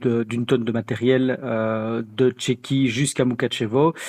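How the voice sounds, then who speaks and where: The voice speaks at a fairly slow pace with a monotone, flat intonation. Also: man. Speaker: aid organization director. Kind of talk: interview. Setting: phone call. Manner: halting.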